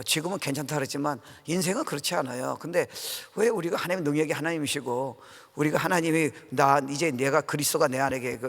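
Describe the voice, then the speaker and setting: A man's voice: medium pitch, gravelly, a bit bright. A middle-aged man preaching a conversational revival sermon as a guest pastor, informal and earnest, often putting questions to the congregation. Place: large church sanctuary, preaching to a congregation. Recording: reverberant church hall sound.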